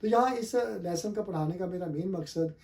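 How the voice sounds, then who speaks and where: At normal speed, a man with a high, slightly mellow voice and some vocal fry drills English pronunciation in classroom fashion. Speaking with an Urdu-speaking South Asian accent, he stresses and repeats correct forms and spells words out letter by letter.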